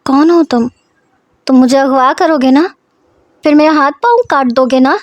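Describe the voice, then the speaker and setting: A woman voicing a frightened, childlike young woman who talks in a high, pleading, childish way. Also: no echo, lo-fi sound, close to an everyday voice. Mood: scared.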